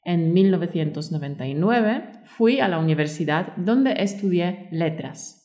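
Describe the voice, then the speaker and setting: Low-voiced woman hosting a Spanish lesson podcast. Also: animated, unhurried, dark tone, reverberant. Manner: encouraging, motivational, addressing the listener directly. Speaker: podcast host and Spanish teacher. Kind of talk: language-lesson podcast, reading listener comments aloud.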